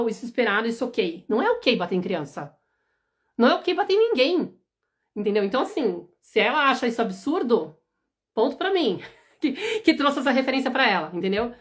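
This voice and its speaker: A woman in her thirties hosts a casual live stream on parenting. She talks very quickly in a somewhat high voice, animated and emphatic, with frequent "you know?" check-ins. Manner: animated, emphatic, often asks "entendeu?". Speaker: parenting educator and mentor.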